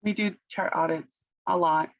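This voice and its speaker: Non-native English-speaking woman, founder guest, measured and searching for words, dry dull sound. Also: fairly low pitch, steady tone, dry recording. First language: not English. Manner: thoughtful, searches for words, laughs often. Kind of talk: conversational business interview.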